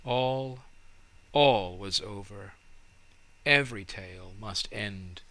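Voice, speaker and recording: A man narrating a storybook in a measured, dramatic and expressive way. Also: fairly low pitch, no echo, poor audio. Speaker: audiobook narrator.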